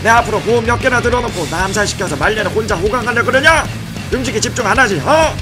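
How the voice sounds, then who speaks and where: A man doing a high-pitched, irate old grandpa. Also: fast, music in the background, close to an everyday voice. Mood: furious. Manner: shouting, ranting complaints. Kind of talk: comic webtoon dubbing.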